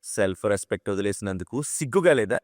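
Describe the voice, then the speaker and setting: A man's voice: on the low side, expressive, fast, no room sound, studio quality, voice pushed down, natural voice. A man voicing a righteous, angry young male new employee in an audio drama, indignant and scolding.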